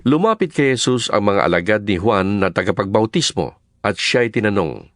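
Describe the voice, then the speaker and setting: A man's voice: lowish voice, very animated, normal speed, dry recording, studio quality. A man narrating scripture as a scripted, dramatized storytelling reading.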